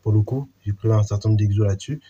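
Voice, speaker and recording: A man's voice: on the low side, steady tone, fast, dark tone, breathy edge, muffled recording. A man teaching a math lesson in an informal way, with many fillers and restarts while he explains a theorem.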